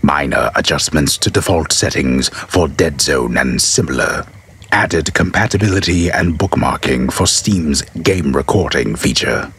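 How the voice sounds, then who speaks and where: A man with a gravelly, husky voice gives a solemn, theatrical dramatic reading of scripted notes in a stagey, drawn-out manner. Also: a bass voice, fairly bright tone, a little hiss or hum.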